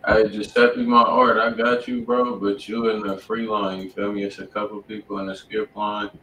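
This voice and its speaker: A low, flat-voiced man co-hosts a music livestream from a home studio, calmly reading out who is next in the queue. He sits back from the mic in a roomy space, with a faint background hum. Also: moderate pace, recorded from a distance. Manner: flat, matter-of-fact queue calling. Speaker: livestream co-host. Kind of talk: casual livestream chat.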